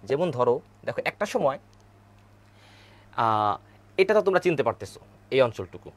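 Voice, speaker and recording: A man's voice: medium pitch, big pitch swings, moderate pace. A male teacher, giving an online history lesson over map slides, repeating key names and quizzing his viewers. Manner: repeats key words, quizzes viewers, has them chant names aloud.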